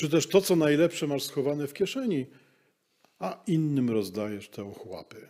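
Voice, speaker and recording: This man's fairly high voice has a dark, mellow tone and very wide pitch swings. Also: quiet background. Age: old. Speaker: pastor. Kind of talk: sermon. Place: church. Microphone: podium.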